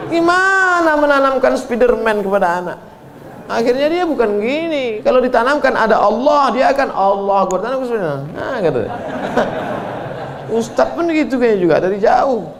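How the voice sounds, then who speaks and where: A man's voice: very high-pitched, animated, moderate pace, a faint crowd. A man preaching a sermon, telling stories dramatically with humorous asides and acting out the voices of the people he quotes.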